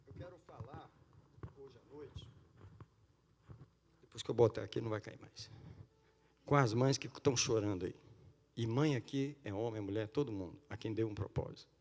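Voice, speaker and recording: A man preaching a sermon in a church, swinging from loud cries to hushed pleading. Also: mid-range voice, moderate pace, pauses often. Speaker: pastor. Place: church sanctuary. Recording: long church-hall reverb.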